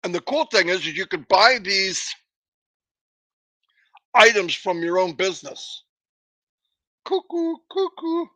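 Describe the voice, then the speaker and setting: A man's voice: high-pitched, sing-song, slow, long pauses, pushed and bright, no echo. A man hosting a motivational livestream, emphatic and repetitive, with a runny nose and a cough. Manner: emphatic, repetitive, preachy pep talk. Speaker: livestream host.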